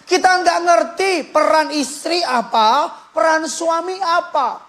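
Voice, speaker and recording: A male pastor preaching a sermon in a joking, animated way, leading the congregation in call-and-response. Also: very high-pitched, slow pace.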